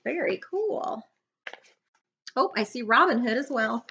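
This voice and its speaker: Female storybook reader, middle-aged, bright tone, very lively intonation, dramatic delivery for children. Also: a little high, unhurried, dull audio, a little hiss or hum. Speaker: librarian reading aloud. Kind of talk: children's picture-book read-aloud with asides. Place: living room couch, indoors.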